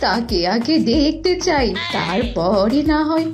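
A woman's voice: a little high, very animated, slow, music in the background, pitched below the performer's own voice. A woman voicing an older, sweet-talking, boastful mother-in-law fox in a cartoon, with a coaxing, sugary manner. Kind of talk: cartoon fairy-tale character dialogue.

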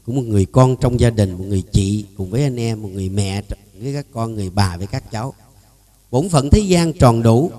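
A man, a Buddhist monk giving a dharma talk. He speaks emphatically, swings between loud and soft, and keeps asking his listeners rhetorical questions. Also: medium pitch.

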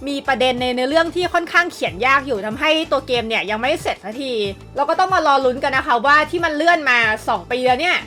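A woman hosts a video game list with a high, expressive voice, speaking fast with hardly any pauses in a pushed, bright tone. Her scripted narration is upbeat, and she addresses viewers politely and warmly while music plays behind her.

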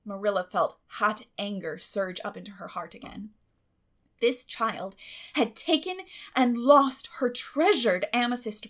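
A woman reading a classic novel as an audiobook narrator, in scripted literary storytelling style. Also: fairly high pitch.

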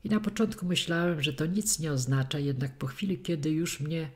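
A woman reading a classic detective story aloud in a measured narration. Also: low-pitched. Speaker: audiobook narrator. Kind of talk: scripted narration of a classic novel.

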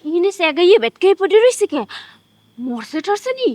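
Comedy-drama casting: a high-pitched, bossy village wife, dry sound. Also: female voice, sing-song, normal speed, darkish tone, no room sound. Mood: scheming. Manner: scolding, bossy. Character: scheming, sharp-tongued village wife.

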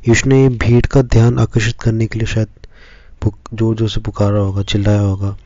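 A man reading Scripture and preaching as a pastor, slow and measured in short phrases. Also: on the low side, flat delivery, mellow, no echo, highs cut off. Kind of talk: devotional Bible reading and sermon.

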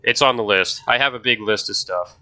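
A man's voice: lowish voice, fairly quick, sharp tone, clear, resonant tone. A young man with a stuffy, nasal voice from a cold, chatting casually to viewers while playing a game. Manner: chatty, easily distracted, talks to viewers. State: sick, stuffy nose. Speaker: gaming video host. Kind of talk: casual gameplay commentary.

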